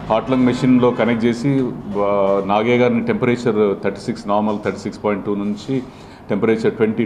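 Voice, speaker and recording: A man's voice: lowish voice, darkish tone, slight background noise. A man, a doctor, explaining a medical case to a reporter, mixing in English terms with many fillers.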